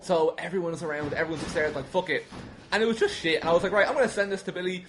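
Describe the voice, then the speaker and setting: A young Irish man tells anecdotes as a podcast guest in an animated, self-deprecating way. He talks very quickly in a slightly high voice and swears casually. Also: slight background noise. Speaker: podcast guest, wrestling commentator.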